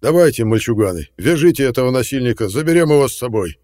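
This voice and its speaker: A man voicing a domineering old colonel and grandfather in an audiobook, barking loud orders. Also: mid-range voice, expressive, fast, no room sound, studio quality, voice pushed up, lightly acted. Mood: commanding. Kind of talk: audiobook reading.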